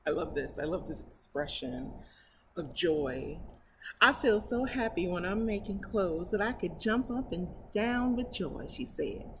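A fairly low-pitched female voice at a measured pace belongs to a middle-aged American library reader doing a children's storytime picture book, full of enthusiastic exclamations and chatty side remarks. She's indoors before a painted mural. The audio is poor, with clear, steady background noise.

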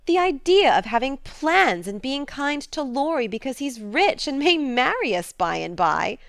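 A woman doing a loud, indignant tomboy Jo. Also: high voice, big pitch swings, a little slow, vocal fry, no echo, clean studio sound, pitched above the performer's own voice, exaggerated voice. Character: blunt, tomboyish teenage girl, hot-tempered.

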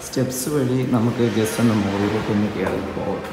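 A man's voice: on the low side, fairly even intonation, a little fast. A man walking through an empty building while filming, talking with eager enthusiasm and repeating stock words of praise. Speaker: vlogger. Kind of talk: walking tour vlog. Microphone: phone camera held while walking. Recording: phone recording with clear street noise.

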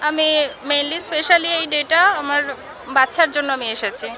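A young woman with a Bengali accent, a mother answering a street interviewer haltingly with many fillers. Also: high voice. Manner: halting, fills with "mane". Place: crowded churchyard outdoors. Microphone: reporter's handheld mic. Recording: clear crowd noise outdoors.

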